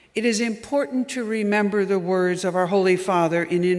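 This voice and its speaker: The speaker has an American accent and ordinary pitch variation. Room echo is audible. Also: woman. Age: 70s. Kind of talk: conference talk. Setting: conference round table. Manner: formal.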